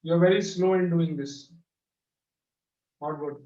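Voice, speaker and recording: A male maths teacher with a South Asian accent leads an online class, prodding pupils and repeating his instructions. His voice is a little high, dark in tone and unhurried. The online call audio sounds dull and lo-fi.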